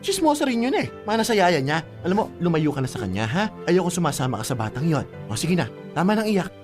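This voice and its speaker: Actor as gay man of thirty-five, sassy, protective, flamboyant, rapid scolding, hugely swooping intonation, radio drama. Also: mid-range voice, big pitch swings, faint music behind, natural voice. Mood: exasperated, protective. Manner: fast, gossipy scolding, exasperated.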